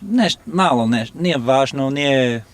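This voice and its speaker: Halting man, mid-pitched. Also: animated, no room sound. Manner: halting, searching for words, laughs often. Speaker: interviewee, musician. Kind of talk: casual storytelling interview.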